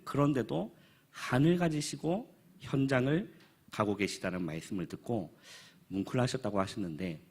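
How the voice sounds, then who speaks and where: A man in his thirties, a pastor, giving an earnest spoken report at a church forum, with halting speech and many filler pauses. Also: on the low side, darkish tone, breathy edge. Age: 30s.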